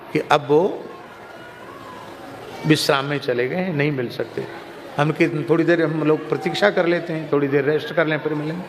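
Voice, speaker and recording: A man delivering a religious discourse, telling stories and anecdotes to his listeners. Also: on the high side. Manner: storytelling, lively anecdotes. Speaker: katha preacher. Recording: reverberant hall, faint noise.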